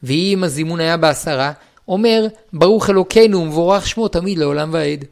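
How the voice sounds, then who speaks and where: Man, fairly high voice, reading a religious law book aloud, steady measured recitation. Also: vocal fry. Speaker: reader of a Jewish law text.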